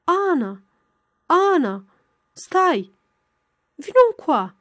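A woman voicing a crippled old village woman who stammers, croaks and shouts in a frantic way. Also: very high voice, big pitch swings, no echo, studio quality, pitched above the performer's own voice, full character voice. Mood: urgent calling.

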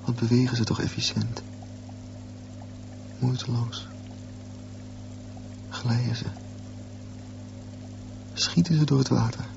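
An actor playing a dreamy, musing teenage boy with a disability in a radio drama, speaking slowly and full of wonder. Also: medium pitch, fairly even intonation, gravelly, darkish tone, soft background music. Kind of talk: radio drama acting, reflective monologue. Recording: dull, noisy old radio recording.

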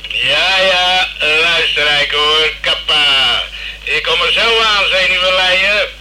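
A man's voice: on the high side, slow pace, bright, forceful tone, exaggerated voice. An actor playing a grumpy, sarcastic, blunt repair shop man talking over a two-way radio in a radio play. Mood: grudging, grumbling. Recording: noisy crackling two-way radio sound.

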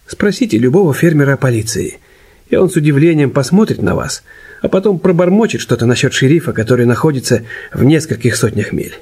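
An actor playing a courteous, cautious and worried jeweler in a radio play, with a measured delivery. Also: male voice, medium pitch, lively intonation, dark tone, husky. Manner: measured, thoughtful. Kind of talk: Russian radio play, dialogue and narration. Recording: music playing behind the voice.

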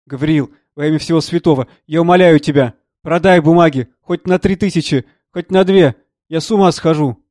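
A man's voice: fairly high pitch, moderate pace, hardly any pauses, a little mellow, dry recording, clean studio sound, lightly acted. A man voicing a distraught middle-aged woman, a professor's wife, tearful and pleading with her lover.

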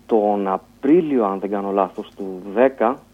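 A man, a band musician talking about his band in a radio interview, telling it in a relaxed way. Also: lowish voice. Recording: tinny phone-like radio sound.

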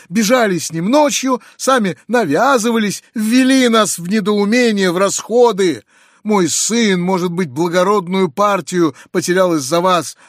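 A man reading an audiobook, voicing a shrill, furious middle-aged noblewoman in an indignant screeching tirade. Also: a little mellow, breathy edge, no echo, clean studio sound. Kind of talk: audiobook character voice.

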